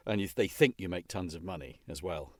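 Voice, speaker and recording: Lively, lowish-voiced male podcast host. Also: brisk, dry recording, studio quality. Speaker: podcast host and fellow voice actor. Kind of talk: casual interview chat.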